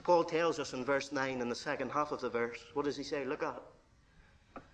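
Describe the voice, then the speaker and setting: A man with a Northern Irish accent preaching a verse-by-verse sermon. He moves between hushed asides and ringing declarations, and he calls his listeners "friend". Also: medium pitch, fairly quick. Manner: addresses listeners directly as friend.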